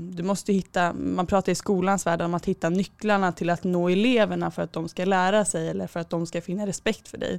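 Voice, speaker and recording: Speaking at a fairly quick pace with hardly any pauses, a woman with a fairly low pitch keeps a monotone, flat intonation in a very clean recording with a silent background. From Sweden, Stockholm. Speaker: handball referee, student teacher. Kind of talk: casual chat.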